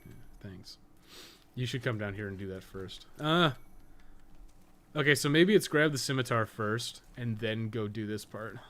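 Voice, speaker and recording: A man's voice: lowish voice, fairly bright tone. A man giving casual, unscripted gameplay commentary as a streamer, rambling and thinking aloud with frequent swearing. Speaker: game streamer and podcast co-host. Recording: clearly noisy background.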